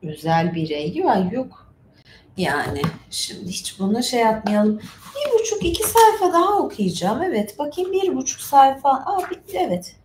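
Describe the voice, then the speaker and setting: A high-pitched woman chats her way through a casual storytelling livestream. She rambles informally between reading and commenting. The room rings with echo, and faint noise sits behind her voice. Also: big pitch swings, moderate pace, a little mellow. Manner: chatty, rambling, informal asides. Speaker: livestream host.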